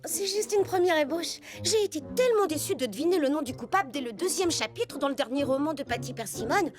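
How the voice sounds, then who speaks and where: Formal, gracious cartoon lady, very high voice, clear music behind. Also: lively intonation, quick pace. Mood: earnest. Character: genteel older lady writer, polite and proper.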